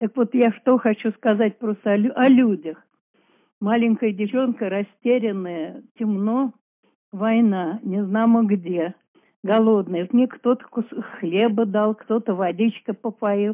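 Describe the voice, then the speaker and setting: A woman speaks very slowly in a fairly high voice. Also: ordinary pitch variation. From Moscow, Russia. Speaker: war-time childhood eyewitness. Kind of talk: interview reminiscence.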